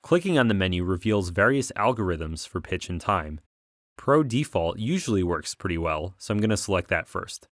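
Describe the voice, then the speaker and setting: A man narrating a software tutorial as an instructor, explaining things clearly step by step on a close voice-over mic. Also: low voice, very animated, moderate pace.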